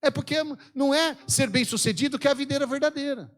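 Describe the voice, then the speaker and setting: A man with a Brazilian Portuguese accent preaching a fervent, exhorting sermon at a church event. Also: fast talker. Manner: fervent, exhorting the congregation with sweeping pitch swings.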